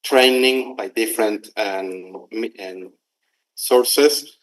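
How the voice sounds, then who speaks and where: Lowish-voiced man giving a conference talk. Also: rough recording. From Argentina. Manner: conversational, with pauses to find words. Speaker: conference speaker. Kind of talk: conference presentation.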